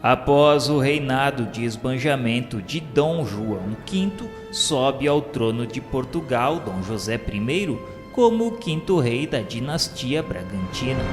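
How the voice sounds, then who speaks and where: Slow, solemn Brazilian male narrator in long reverb. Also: mid-range voice. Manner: formal, measured, declamatory. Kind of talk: solemn scripted narration of a radio novela. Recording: long reverb, music behind. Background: music.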